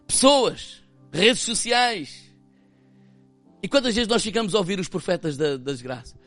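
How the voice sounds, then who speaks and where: A man preaching with a European Portuguese accent, his voice sitting high for a man. He moves from impassioned, raised passages down to hushed, quiet stretches. The sound is dry and close, with faint music underneath. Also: expressive, unhurried, no room sound. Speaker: pastor. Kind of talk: sermon.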